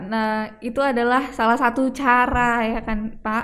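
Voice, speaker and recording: A woman talks in a high voice with intonation that stays fairly even. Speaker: podcast host. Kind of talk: casual interview questions.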